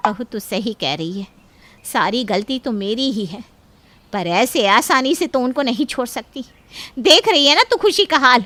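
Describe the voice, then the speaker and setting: A woman voicing characters in an audio story with a stern, forceful delivery. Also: a little high, animated, unhurried, no echo. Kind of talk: dramatic storytelling dialogue.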